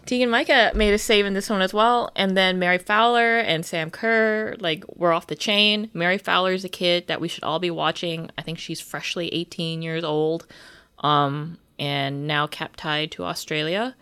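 A woman co-hosting a casual sports podcast, chatty with lively asides and fillers. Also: lowish voice, moderate pace, smooth. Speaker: podcast co-host.

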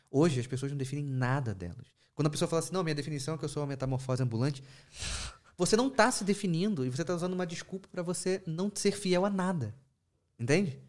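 Male therapist, storytelling talk, animated pitch jumps, casual asides, mid-pitched voice. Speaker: therapist speaking about his practice. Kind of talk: conversational teaching talk.

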